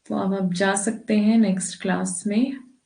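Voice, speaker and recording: A woman's voice: mid-range voice, steady tone, a little slow, vocal fry, warm tone, roomy sound. A woman teacher talking to her students in an online class, giving firm, instructive advice and addressing them fondly.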